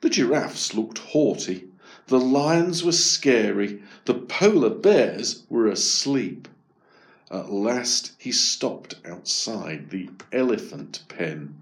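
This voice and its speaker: A man narrating a children's story aloud. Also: fairly low pitch. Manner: slow, expressive storytelling.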